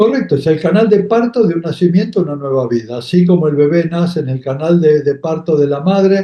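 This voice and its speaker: The man's voice is fairly high in pitch, with a dark, mellow tone. His intonation is lively. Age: 70s. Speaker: spiritual teacher. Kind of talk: interview. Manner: halting.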